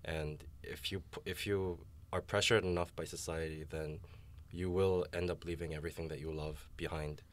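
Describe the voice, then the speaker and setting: A man's voice: extremely low pitch, fairly even intonation, normal speed, few pauses. A young man, a university student, talking frankly and reflectively in a casual discussion, with some self-deprecating humor. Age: young adult.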